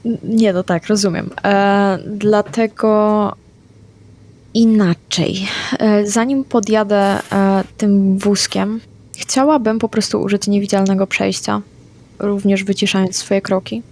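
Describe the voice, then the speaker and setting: A woman playing a tabletop vampire game, declaring her character's actions in a quick, plain manner. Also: medium pitch, fairly even intonation, darkish tone. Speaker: player.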